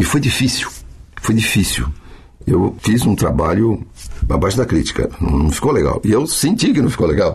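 There is noticeable background noise in the recording. Over it, a man speaks at a fairly quick pace. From São Paulo, Brazil. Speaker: radio announcer and voice actor. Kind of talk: interview.

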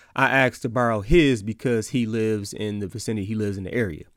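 A man talks at a very fast pace in an animated tone. The recording is very clean, with a silent background. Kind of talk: casual devotional talk.

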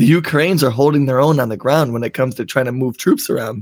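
Fairly even intonation from an ordinary speaking voice, captured on a very clean recording against a silent background. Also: man. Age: 30s. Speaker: podcast co-host, blue-collar worker. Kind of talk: casual chat.

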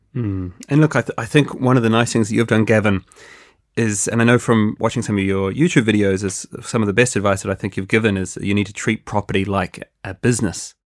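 On a very clean recording with a silent background and a dry, close sound with no echo, a man with a New Zealand accent talks at a fairly quick pace with a fairly low pitch and fairly even intonation. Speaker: podcast host interviewing, investor. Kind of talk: interview.

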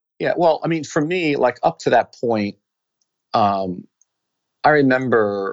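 A man with a New York accent, medium in pitch, at a moderate pace, with very wide pitch swings. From New York City (Queens), Italian American. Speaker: pastor and author. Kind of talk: interview conversation.

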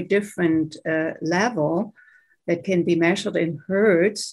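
This woman talks with a German accent and ordinary pitch variation. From Germany. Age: 70s. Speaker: author and tantra teacher. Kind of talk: interview.

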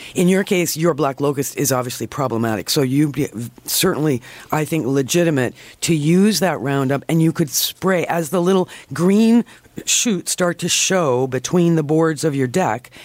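A man's plain, everyday voice at a fairly high pitch, with a moderate pace, ordinary pitch variation, and very even loudness. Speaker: radio gardening show host and expert. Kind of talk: radio call-in advice show. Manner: warm, chatty.

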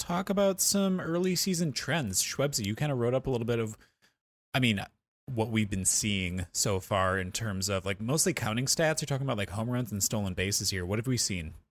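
A man with a normal speaking voice and fairly low pitch talks at a moderate pace with lively intonation, on a very clean recording with a silent background. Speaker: fantasy baseball podcast host. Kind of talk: casual chat.

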